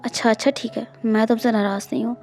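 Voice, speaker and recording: A woman voicing a doting, seductive husband in an audiobook, with a low, hushed, coaxing delivery. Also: level tone, quick pace, soft background music, close to an everyday voice. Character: adult man, doting, seductive, pleading husband.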